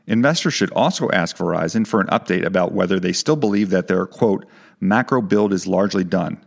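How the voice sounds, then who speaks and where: A man working as a financial analyst reads a scripted report in a formal, measured manner. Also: low voice.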